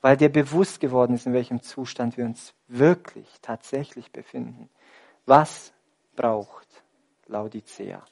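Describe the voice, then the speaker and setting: A male preacher in the middle of a sermon, his voice sitting at an ordinary middle pitch. He throws rhetorical questions at the congregation and moves from forceful, raised emphasis down to a hushed near-whisper. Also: measured pace, gravelly. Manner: dramatic swings from loud emphasis to near whisper.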